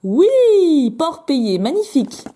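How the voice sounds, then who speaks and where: A woman's voice: high voice, sing-song, slow, warm tone. A young woman chatting casually to camera as she opens her fan mail, bubbly and playful, with lots of little fillers and repeats. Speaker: YouTuber opening fan mail.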